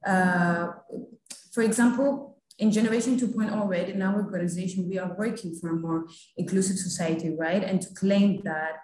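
A woman's voice: mid-range voice, fairly even intonation, moderate pace, a little mellow, a little hiss or hum. Young woman from Greece, earnest, thoughtful interview answers, echoey room. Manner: earnest, thoughtful, frequent "you know" and "right?".

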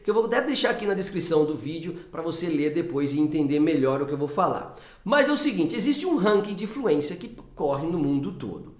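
A man from Brazil, an English teacher giving a persuasive talk straight to the viewer. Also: high voice. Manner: animated and persuasive, addresses viewer directly. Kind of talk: direct-to-camera teaching talk. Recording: echoey room.

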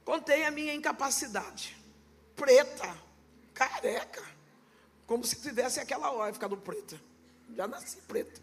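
A Brazilian woman pastor giving a testimony sermon at a church service, impassioned and rising to shouted preaching. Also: sits high, expressive, moderate pace, long pauses, slightly rough. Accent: Brazilian Portuguese.

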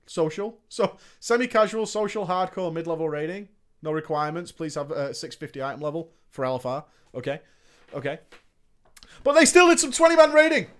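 A man reading a gaming story aloud, breaking off for sarcastic comic asides and frequent laughter. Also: a little high. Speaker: story reader.

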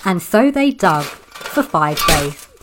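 Woman as a slow, lively pantomime narrator. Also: fairly low pitch, heavy background noise. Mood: wry. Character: wry, playful pantomime storyteller. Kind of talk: scripted comic narration.

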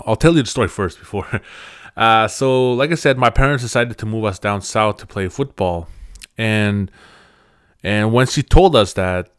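Male podcast host in his thirties, native Cree speaker, slightly low and smooth voice, dry close mic, casual halting delivery. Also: dry recording. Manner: halting, often restarts phrases. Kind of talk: casual personal storytelling.

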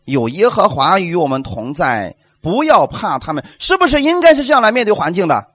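A man's voice: sits high, sing-song, brisk, fairly bright tone. A male pastor delivering a sermon, emphatic, asking the congregation rhetorical questions and acting out quotes.

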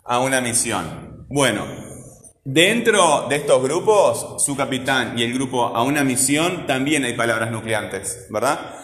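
A man's voice: mid-range voice, expressive, measured pace, a bit bright. A man teaching a grammar lesson, coaxing students along with constant check-in questions. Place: classroom. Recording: roomy classroom echo, faint ambient noise.

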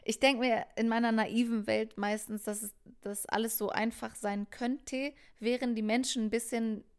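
Smooth-voiced woman, thoughtful and rambling. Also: a little high, steady tone, moderate pace. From Hamburg, Germany. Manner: thoughtful, rambling, many fillers. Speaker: musician guest. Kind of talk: casual interview conversation.

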